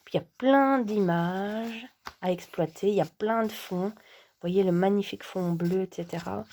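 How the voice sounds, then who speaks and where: A woman chats casually to camera. Her voice is mellow and warm, at a middling pitch for a woman. She talks hesitantly, with many fillers, and slips into whispers at times. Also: moderate pace. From Belgium. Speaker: vlogger and sophrology coach.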